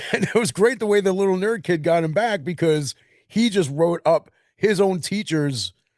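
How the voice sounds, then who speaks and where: An animated, high-pitched male voice with a New York accent, ordinary pitch variation, and a dry, close sound with no echo. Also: moderate pace. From New York, Queens. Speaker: podcast host. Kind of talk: casual chat.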